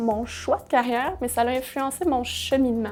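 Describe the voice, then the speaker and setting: A woman talks at a fairly slow pace while music plays behind her. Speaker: scientific illustrator. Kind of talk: testimony.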